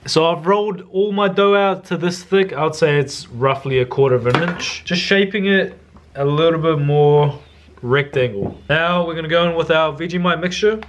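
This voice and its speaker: A man's voice: on the high side, normal speed, noisy background. A young man giving a casual, slangy cooking demonstration in a laid-back way. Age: young adult. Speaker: cooking vlogger. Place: home kitchen, indoors.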